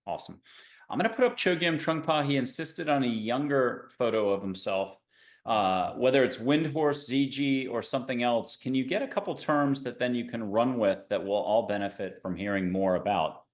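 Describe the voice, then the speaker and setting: A male host of an interview show, introducing a guest and asking questions on a video call in a chatty, upbeat way, with quick asides. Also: mid-range voice. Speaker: podcast host. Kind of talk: casual interview hosting.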